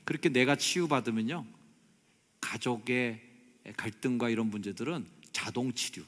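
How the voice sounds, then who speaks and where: A middle-aged male pastor preaching a sermon, swinging between loud, animated exclamations and soft, prayerful passages. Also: medium pitch, normal speed. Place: church sanctuary. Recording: long church hall reverb.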